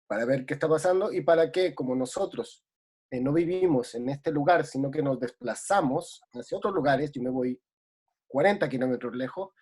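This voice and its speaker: A man's voice: a little high, darkish tone, slightly rough. A man from Ecuador speaking reflectively in a casual remote conversation, with many hesitations. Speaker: guest.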